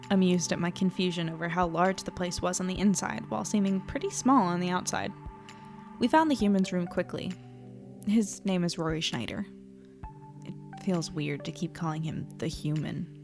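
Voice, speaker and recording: A woman's voice: on the low side, animated, moderate pace, darkish tone, soft background music. A woman playing an earnest, curious young journalist in a fiction podcast, polite and a little hesitant. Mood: candid, wry. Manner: hesitant, stammering when caught out, polite. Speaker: newspaper editor and narrator. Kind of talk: fiction podcast acting and narration.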